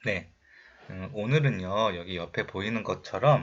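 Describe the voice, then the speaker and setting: A man's fairly low voice with lively intonation. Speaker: math academy director and teacher. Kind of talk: educational talk to camera.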